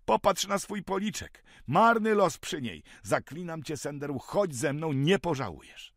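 A man voicing an excitable, dreamy male villager who talks eagerly and grandly of a great journey. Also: medium pitch, moderate pace, dry recording, clean studio sound. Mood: excited. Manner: eager, grandiose, raising his voice.

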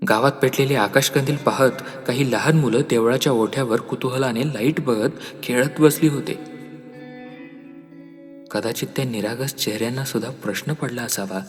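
Man narrating a sad story over music. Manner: swings from hushed and low to loud, tearful emphasis. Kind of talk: emotional first-person story narration. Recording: long reverb with soft music behind.

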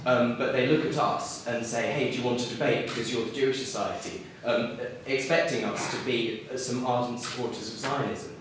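A young male university student asking a panel a question, hesitant and earnest with many pauses. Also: mid-range voice, fairly even intonation. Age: young adult. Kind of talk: audience question at a debate. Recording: echoey hall, distant mic, faint noise.

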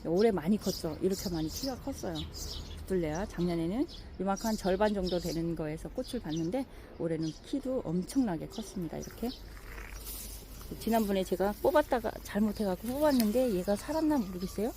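Middle-aged woman, casual garden walk-through, relaxed dark timbre, fond chatter, light outdoor hiss. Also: medium pitch, brisk. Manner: chatty and admiring, many soft fillers. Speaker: gardening vlogger.

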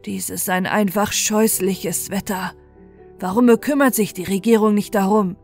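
A woman's voice: mid-range voice, fairly even intonation, moderate pace, a little mellow, lightly acted. A woman voicing a blustering, indignant male wolf in a fairy tale, growling and menacing, with music behind. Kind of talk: fairy tale storybook reading.

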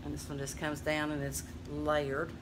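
A woman in her fifties, a little hoarse, chatting to viewers as she shows jewelry pieces and reads out their numbers. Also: sits low, monotone, normal speed. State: losing her voice. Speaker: jewelry seller on a live stream. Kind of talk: casual live selling chat. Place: small home room with a jewelry display wall. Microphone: phone camera close up. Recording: noisy phone live stream.

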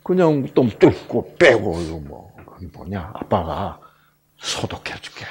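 A man's voice: on the low side, measured pace. A middle-aged man giving a health lecture, telling a personal story and acting out the voices in it. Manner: animated storytelling, acts out quoted voices.

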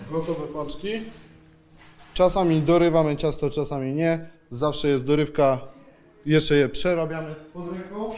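A man's voice: a little high, a little mellow. A man in his thirties, a baker, explaining a process step by step in an informal, matter-of-fact way on a handheld microphone. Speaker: pastry baker. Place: tiled bakery production hall. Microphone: handheld microphone held by interviewer.

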